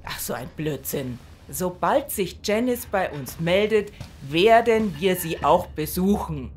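A woman's voice: lowish voice, lively intonation, unhurried. A woman playing a bossy but caring elderly wife and grandmother in an audio drama. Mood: firm, insistent. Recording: clear background ambience noise.

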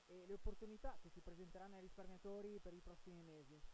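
Man, interviewer, high voice, brisk formal questions, hissy background noise. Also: steady tone. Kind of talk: trade-fair interview questions. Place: trade-fair stand indoors. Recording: audible hiss and background noise.

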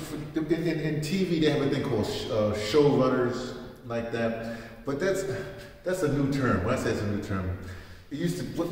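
A man's voice: medium pitch, a little mellow. A middle-aged man giving an informal workshop talk, explaining things in a colloquial, rambling way. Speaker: workshop leader, producer. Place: large bare classroom, indoors. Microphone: camera a few metres away. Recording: very echoey bare room, distant phone mic, faint noise.

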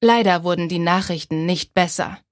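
A young woman narrating a first-person romance audiobook with calm, clear delivery. Her voice sits fairly low for a woman. The recording is close and completely dry. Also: moderate pace, dry recording.

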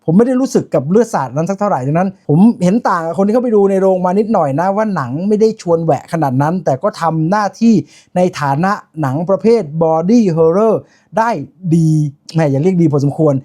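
Man, film reviewer, casual chatty talk, informal asides, self-corrections, mellow warm tone. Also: sits high, animated, a little fast.

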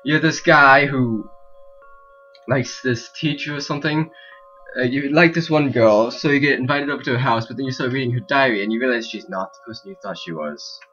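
A man's voice: medium pitch, fairly quick, sharp tone. A man with a mid-range voice hosts a casual gaming video. He rambles and tosses in joking asides. The sound is a bit dull and lo-fi, with game music behind him. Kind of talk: casual let's play commentary with reading game text aloud.

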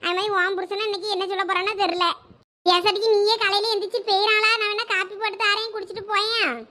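A woman's voice: very high voice, flat delivery, fast, sharp tone, a little hiss or hum. A woman voicing a blunt, scolding village housewife. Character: gruff village housewife, sharp-tongued.

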